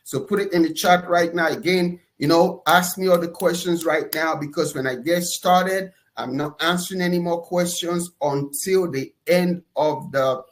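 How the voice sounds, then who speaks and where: A man with a Nigerian accent hosting a live webinar, energetic and enthusiastic, often pausing on "uh" and ending points with "okay?". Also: on the high side. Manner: energetic, enthusiastic shout-outs; fillers and repeated "okay?". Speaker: webinar host.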